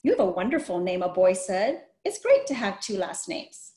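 This is a middle-aged woman hosting a read-aloud and interviewing an author by video call in a small indoor room. Her medium-pitched voice is dark in tone yet very animated, delivered at an ordinary speed. A computer microphone captures it with noticeable room echo.

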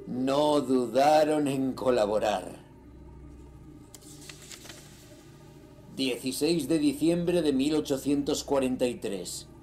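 In a horror audio drama, an actor with a somewhat high, mellow voice plays a ruthless cult leader reading from his sinister diary. The delivery is solemn, menacing and theatrical, with a coldly triumphant mood.

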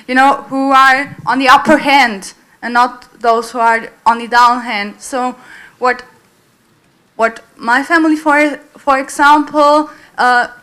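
A woman's voice: fairly high pitch, bright, forceful tone. A woman commenting from the floor of a lecture hall into a handheld mic, earnest and searching for words. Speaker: audience member.

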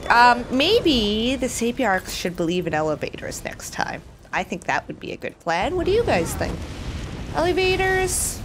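Bubbly high-voiced woman gaming host. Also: sing-song, a little slow, noisy background. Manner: bubbly, chatty, exclamatory. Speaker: video game let's play host. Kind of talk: casual gameplay commentary.

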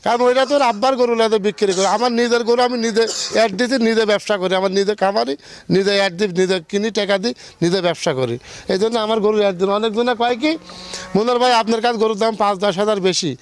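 A middle-aged dairy farmer man from Bangladesh, pitching his cows in quick, insistent casual talk, recorded in a cattle shed. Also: fairly even intonation, a little hiss or hum. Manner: rapid, insistent, ends phrases with "bhai". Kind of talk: casual on-site sales talk.

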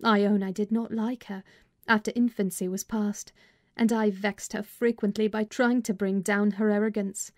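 A woman playing a plain-spoken housekeeper, recounting family history in a measured dramatized literary reading. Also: medium pitch, level tone, dry recording, clean studio sound, natural voice. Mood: measured, reflective. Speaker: audiobook narrator. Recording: music bed behind voice.

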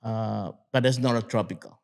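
A man in his fifties from Guatemala, Spanish-speaking by birth, talking haltingly in broken English about his plant nursery in a casual interview. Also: lowish voice, creaky, darkish tone. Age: 50s. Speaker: guest, nursery owner.

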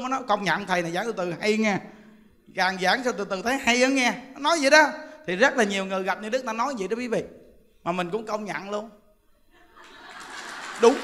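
A monk with a Southern Vietnamese accent preaches in a very high, bright voice, chatty and full of jokes. His talk rings out with a long hall reverb behind him. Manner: chatty, joking storyteller who laughs often. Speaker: Buddhist monk teaching Dharma. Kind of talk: humorous Dharma talk.

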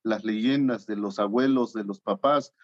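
A man's voice: fairly low pitch, measured pace, dull audio. A man in his thirties from Oaxaca, answering interview questions in a hesitant way, with many fillers, over a video call from his studio. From Oaxaca, Mexico. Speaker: guest artist. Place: home art studio.

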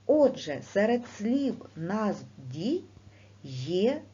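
A woman teaching a primary school lesson, speaking slowly and clearly with questions to the class. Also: medium pitch. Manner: slow, clear teacher's delivery with lively rising questions. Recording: dull lo-fi recording.

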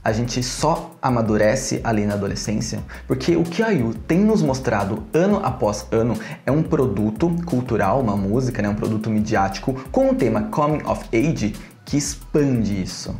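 A man's voice: mid-range voice, animated, normal speed, a little mellow, echoey room, soft background music. A young man hosting a casual explanatory vlog, talking animatedly while seated close to his camera at home. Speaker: video essay host. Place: small room at home, brick wall behind.

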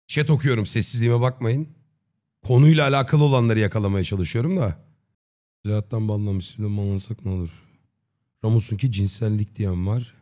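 A man in his thirties chatting casually on a livestream in a slangy, joking, deadpan way. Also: lowish voice. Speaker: live streamer. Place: dim indoor streaming room. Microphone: close desk microphone with headset on.

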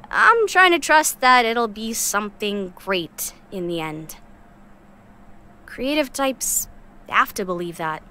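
A woman's voice: a little high, sharp tone, slight background noise. An actress playing a guarded, sarcastic young woman who scavenges parts, talking bluntly in an audio drama. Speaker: parts sourcer.

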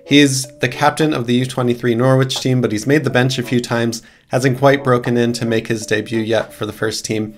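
A man's voice: medium pitch, fairly even intonation, moderate pace, hardly any pauses, soft background music. A man in his thirties hosting an interview over a video call from his home office, talking with energy. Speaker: host. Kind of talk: upbeat interview host, reads sponsor ad.

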